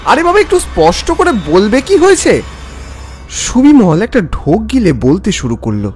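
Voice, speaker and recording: A man playing a concerned, skeptical friend who narrates a ghost story with expressive, questioning delivery. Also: high-pitched, moderate pace. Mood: exasperated. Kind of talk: dramatic scripted Bengali audio story narration. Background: background music.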